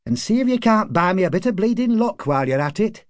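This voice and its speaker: Man doing a high-pitched working-class drinking pal. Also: big pitch swings, fast, no echo, studio quality. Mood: jovial. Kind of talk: audiobook character acting.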